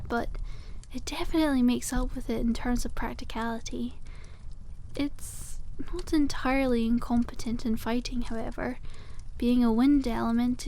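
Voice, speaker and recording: A woman playing a cute, cheerful young witch who keeps a dragon egg shop, speaking softly and politely in an ASMR roleplay as she gently pitches her wares to a customer. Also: a little hiss or hum, lightly acted. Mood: persuasive. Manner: gentle sales patter, quaint polite wording. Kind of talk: soft-spoken ASMR roleplay, one-sided conversation with a customer.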